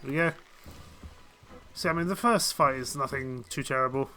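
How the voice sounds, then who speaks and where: A man with a cold speaks in a croaky yet bright, forward voice. He talks his way through a strategy game in a hesitant, casual way, full of restarts and fillers. His pitch sits at an ordinary middle height. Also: moderate pace, soft background music. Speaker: game streamer. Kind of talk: casual gameplay commentary.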